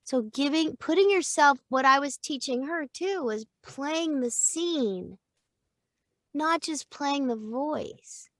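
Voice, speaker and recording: Middle-aged woman w a high voice, talks slow and playful, laughs a lot, dry close sound. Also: no echo. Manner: expressive and playful, laughs often, thinks aloud with restarts. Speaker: podcast guest, voice actor and coach. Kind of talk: casual interview chat.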